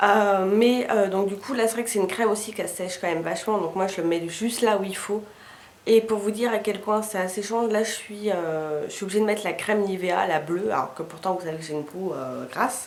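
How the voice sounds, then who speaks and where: A woman with a medium-pitched voice talks at a fairly quick pace with ordinary pitch variation. Noticeable background noise and audible room echo surround her. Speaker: beauty vlogger. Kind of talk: casual vlog chat. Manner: hesitant, many fillers.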